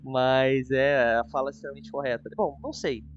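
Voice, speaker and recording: A man's voice: medium pitch, normal speed, muffled recording. A Brazilian man hosting a reaction show, giving an informal, hedging review in casual conversation. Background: music.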